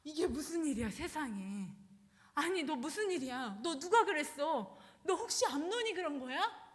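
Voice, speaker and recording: A woman voicing a protective older brother, a prince, who questions urgently and reassures in a low hush, in a reverberant church hall. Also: animated, moderate pace. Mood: alarmed.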